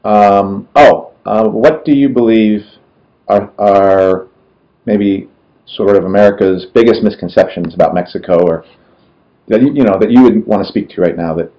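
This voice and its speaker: A man hosting a podcast interview over a video call, asking halting questions with many restarts. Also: on the low side, muffled recording. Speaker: podcast host.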